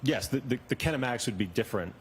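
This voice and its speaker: A man's voice: mid-range voice, lively intonation, racing, slight background noise. A man testifying as an expert witness, giving careful, hedged answers with small restarts, heard in a courtroom recording.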